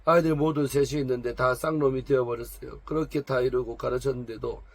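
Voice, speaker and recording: A man's voice: medium pitch, fairly even intonation, brisk, no room sound, lightly acted. A man reading aloud the lines of a proud, complaining woman of 45 from a noble family. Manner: complaining, defensive, pleading.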